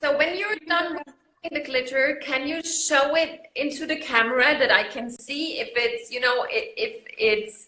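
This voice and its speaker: A woman's high, bright, sharp voice, raised and projected, with very wide pitch swings at a fairly slow pace. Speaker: resin artist. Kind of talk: live-stream tutorial.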